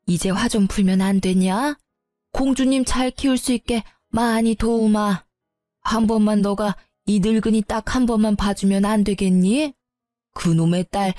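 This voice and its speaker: A woman's voice: mid-range voice, a little mellow, no echo, studio quality, lightly acted. A woman voicing a fond, repentant old grandmother who coos over a baby and apologizes in a storybook tale. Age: older. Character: doting repentant old mother-in-law.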